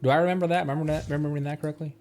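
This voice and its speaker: A man's voice: a little high, steady tone, rapid-fire, a little mellow. Man rambling casually over game music. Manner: thinking aloud, often questioning himself. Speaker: game livestreamer. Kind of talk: casual rambling gameplay commentary. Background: video game music.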